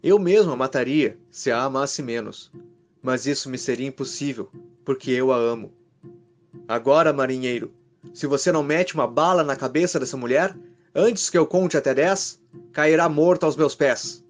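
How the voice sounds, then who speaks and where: A man's voice: medium pitch, normal speed, soft background music, natural voice. Horror story villain: male narrator as cold man, dry, commanding, threatening delivery. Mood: cold, resolute. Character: cold, menacing man, a vengeful jealous husband with revolver.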